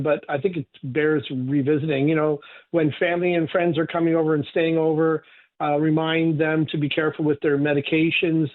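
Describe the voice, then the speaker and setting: A man, a veterinarian guest, hoarse from a cold, giving chatty advice with loose fillers over the phone. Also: a little high. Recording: phone line.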